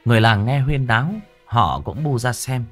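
A man narrating a village folk story in a lively, colloquial way. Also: mid-range voice, moderate pace, faint music behind.

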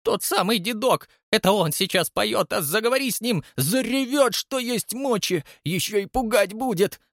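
A man voicing an elderly, frightened woman concierge who gossips and complains in a hushed, fretful way. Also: on the high side, lively intonation, moderate pace, no echo, studio quality, voice pushed up. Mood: alarmed. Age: older.

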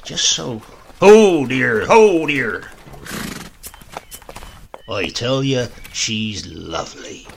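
A man voicing a gruff old countryman who exclaims with hearty admiration, in a gravelly voice. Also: mid-range voice, lively intonation, drawn-out words, pauses often, slight background noise, exaggerated voice. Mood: admiring.

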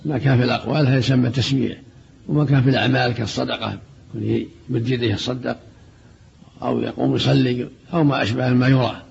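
An older man, an Islamic scholar, giving a religious lesson, briskly quoting texts and then explaining them plainly. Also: mid-range voice, a little mellow. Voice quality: gravelly, very husky. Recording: dull lo-fi archive recording.

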